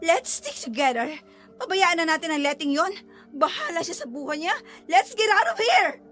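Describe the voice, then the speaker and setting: A woman's voice: very high-pitched, big pitch swings, normal speed, a bit bright, full character voice. A woman doing a bratty rich schoolgirl. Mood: disgusted. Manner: haughty, mixes English commands.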